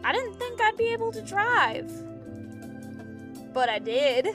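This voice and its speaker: A woman's voice: very high-pitched, sing-song, takes it slowly, music in the background, exaggerated voice. A woman playing a trusting, loyal young student in an audio drama, speaking in an earnest, reassuring way.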